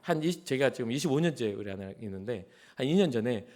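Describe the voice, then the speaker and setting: Animated middle-aged male pastor preaching. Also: medium pitch, fast talker. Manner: animated, conversational, acts out quotes, drops to soft whispers. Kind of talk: sermon. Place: church sanctuary.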